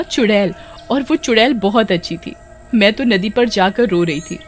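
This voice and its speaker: एक औरत बच्चों की कहानी में गांव की एक भोली जवान लड़की की आवाज़ कर रही है, जो भावुक होकर बोलती है और डरने पर हकलाती है।. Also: female voice, medium pitch, close to an everyday voice. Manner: tearful, stammering when scared. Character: sad young village girl teased for her hair. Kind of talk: children's storybook voice acting.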